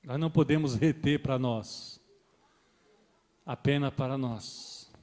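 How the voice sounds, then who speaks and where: A middle-aged man preaching a sermon as pastor, swelling loud on key points and then dropping soft. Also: medium pitch, slow. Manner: rises and swells with emphasis, then drops soft. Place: church hall. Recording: long reverb of a church hall.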